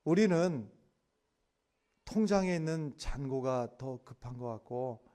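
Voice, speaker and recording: A male pastor preaching a sermon, moving from quiet, earnest talk to loud, impassioned pleading. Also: mid-range voice, lively intonation, slow.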